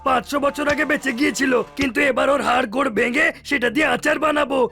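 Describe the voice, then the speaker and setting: A man voicing a grumpy, hot-tempered comic cartoon sidekick with a gravelly voice. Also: very high voice, fairly even intonation, fast talker, bright, forceful tone, faint music behind, full character voice. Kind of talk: dubbed cartoon acting.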